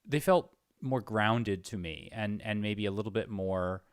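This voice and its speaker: A man's voice: on the low side, measured pace, clean tone, dry recording, studio quality. A man chatting casually as interviewer, hesitant and rambling, often correcting himself. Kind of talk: casual conversation.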